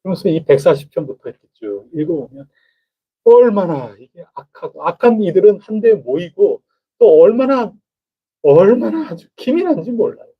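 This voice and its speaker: A man's voice: high voice, big pitch swings, moderate pace, breathy edge. A male pastor preaching a midweek sermon in a chatty, conversational way, often turning to the congregation with questions. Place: church sanctuary. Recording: dull lo-fi church recording.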